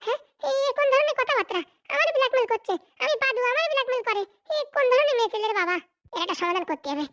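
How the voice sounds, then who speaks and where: An impatient, boastful cartoon husband snaps and grumbles in a tiny, high, sped-up voice. He talks in quick bursts. The sound is dry and close to the mic. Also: steady tone, sharp tone, no room sound, dull audio. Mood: grumbling. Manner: snappish, dismissive bickering.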